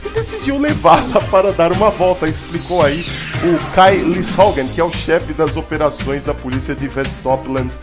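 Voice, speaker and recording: A man's voice: on the high side, big pitch swings, moderate pace, over music. A Brazilian man hosting comic news, reading items with chatty, singsong asides. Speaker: host of comic news segment.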